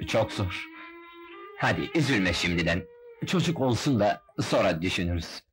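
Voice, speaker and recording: An actor playing a middle-aged husband, tender, secretive and reassuring, in an old melodrama film. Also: male voice, deep voice, animated, normal speed, soft background music. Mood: worried.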